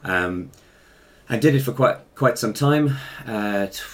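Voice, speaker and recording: A man's voice: mid-range voice, expressive, unhurried. A man in his fifties with an English RP accent, telling personal stories conversationally in a hesitant, self-correcting way. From Africa and Ireland, later England. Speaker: interview guest, musician and choir director.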